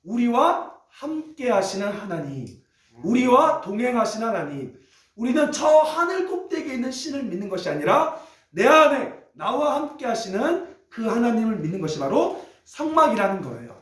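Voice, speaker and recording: A male pastor preaching a sermon in a church, leading call-and-response with the congregation and teaching in a lively, teasing way. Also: very high voice, moderate pace. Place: church sanctuary. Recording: echoey church hall.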